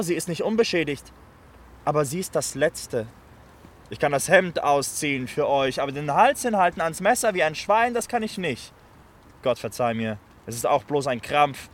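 An actor playing a weary, stubborn soldier home from war, bitter and at times fiercely defiant, in stage-style radio drama. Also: male voice, fairly high pitch. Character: worn-out male war returnee, stubborn and bitter. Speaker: soldier come home, refusing to fight.

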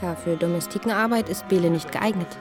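An actress playing a wry, playful young East Berlin woman in a radio play, with a deadpan, clipped, diary-like delivery. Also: lowish voice, fast talker, close to an everyday voice. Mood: dry, teasing. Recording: music behind the voice.

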